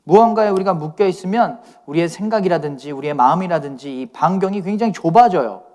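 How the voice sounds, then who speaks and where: A man's voice: high voice, lively intonation, fast, a little mellow. A man pastor giving a conversational youth sermon, often asking his listeners questions.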